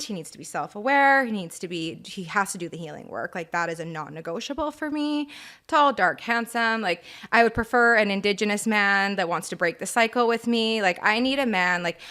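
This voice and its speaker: A woman's voice: mid-range voice, a bit bright. A woman guest on a podcast, talking candidly and emphatically about her life and beliefs. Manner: candid, emphatic, spiritual talk. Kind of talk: casual interview chat.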